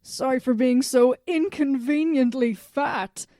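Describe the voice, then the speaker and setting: Woman playing grumbly robot lady, deadpan, kinda high but mellow, dry sound, audio drama. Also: slow pace, no echo. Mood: reluctant. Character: self-conscious, grumbling heavy female robot in disguise.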